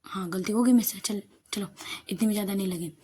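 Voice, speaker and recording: A woman voicing a blunt young woman student in an audio story, in a low-key, brisk way. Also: mellow, slight background noise, close to an everyday voice. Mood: plotting.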